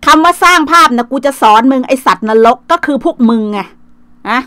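High-voiced, foul-mouthed woman livestreaming. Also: expressive, a little fast, bright, forceful tone, dry recording. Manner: coarse, swearing, taunting. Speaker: livestream host. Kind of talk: casual livestream rant. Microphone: phone livestream.

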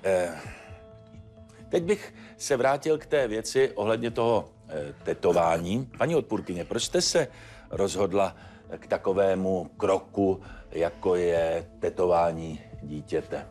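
An actor playing a stern, formal judge who admonishes the parties with frequent hesitant fillers. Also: male voice, deep voice, lively intonation, a little mellow, faint music behind. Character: stern measured male judge, controlled. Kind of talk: courtroom TV show acting.

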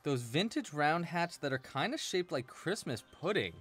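A man's voice: a little high, expressive, normal speed, a bit bright, husky, faint music behind. A young man teaching crochet on a home live stream, chatty and playful, reading chat messages aloud and laughing as he works. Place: small room at home, indoors.

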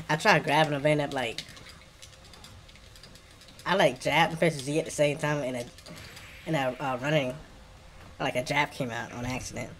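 Noisy mid-pitched African American gaming streamer. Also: fairly even intonation, normal speed, long pauses, a bit bright. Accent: African American English. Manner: slangy, reactive muttering to self and opponents. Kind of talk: casual live game commentary. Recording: clear background noise with keyboard clicking.

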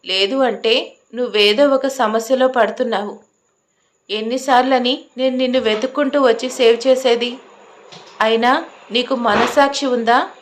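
A woman's voice: fairly high pitch, close to an everyday voice. A woman voicing an arrogant, stubborn young man who speaks in curt, commanding lines in an audio love story.

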